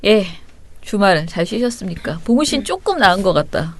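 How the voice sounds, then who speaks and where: A woman's voice: mid-range voice, sing-song, normal speed, slight background noise. A woman hosting a talk podcast, telling stories in a chatty, playful way. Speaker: podcast host. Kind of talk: casual chat.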